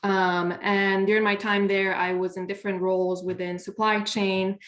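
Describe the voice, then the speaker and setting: A young woman from Morocco speaking as a panel guest in a measured way, with many pauses and ums, on a video call. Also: mid-range voice, level tone, a bit bright. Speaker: panel speaker, solar developer. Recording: echoey room.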